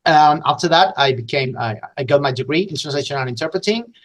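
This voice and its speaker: A man's voice: a little high, lively intonation, fast talker. A middle-aged man from Spain with a Spanish accent, a podcast guest talking unscripted and with enthusiasm, often restarting and repeating words. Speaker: podcast guest, localization trainer.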